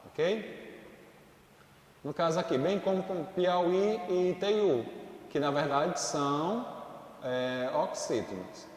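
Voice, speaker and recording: A man's voice: fairly high pitch, lively intonation, takes it slowly, pauses often. Man, Brazilian Portuguese accent, school teacher, explains step by step, long reverb, echoey classroom. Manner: explains step by step, checks in with "tudo bem, gente?". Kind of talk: online school lesson.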